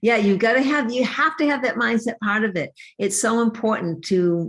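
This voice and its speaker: A woman's somewhat breathy, fairly high-pitched voice. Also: lively intonation, moderate pace. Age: 60s. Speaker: fitness and weight loss coach. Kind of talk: interview.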